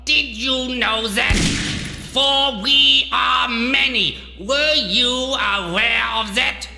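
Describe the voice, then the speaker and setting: An actor playing a smug, deranged doctor villain in a video game, with a pompous, over-enunciated, grandiose delivery. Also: male voice, mid-range voice, huge pitch swings, takes it slowly, bright, forceful tone, exaggerated voice. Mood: grandiose rage. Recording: echoey reverberant hall, faint music behind.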